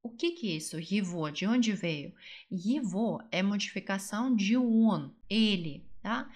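A woman teaching a language lesson, patient and explaining step by step, slowing down for example phrases. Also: medium pitch, animated, a little mellow. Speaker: Russian teacher.

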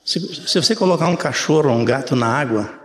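A man's voice: medium pitch, lively intonation, fast, a bit bright, slight background noise. Older Brazilian man preaching in a reverberant hall. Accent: Brazilian Portuguese. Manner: chatty, often checks in with listeners. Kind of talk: conversational sermon. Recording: reverberant hall, faint room ambience.

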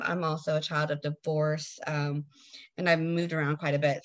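A woman from Texas, co-hosting a podcast, friendly and halting with lots of um and uh pauses. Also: sits low, fairly bright tone. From Southern US, Texas. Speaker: podcast co-host and author. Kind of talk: casual podcast chat.

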